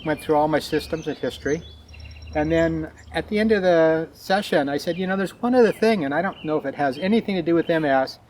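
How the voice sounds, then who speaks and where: A man in his sixties seated outdoors, telling his story in a measured way for a documentary interview. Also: fairly high pitch, slight background noise. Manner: measured storytelling, acting out dialogue. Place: outdoors on a park bench.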